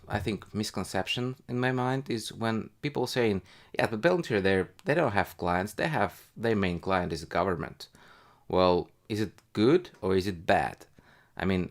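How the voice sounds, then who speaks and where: A man with a fairly low voice talks casually as the host of a live stream. He thinks aloud in a halting way, as a retail investor giving his own commentary.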